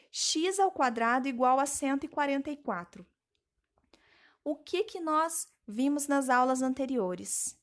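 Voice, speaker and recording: A woman's voice: high voice, fairly bright tone. A young woman teaching a math lesson as an intern, patiently explaining each step and talking straight to her students. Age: young adult.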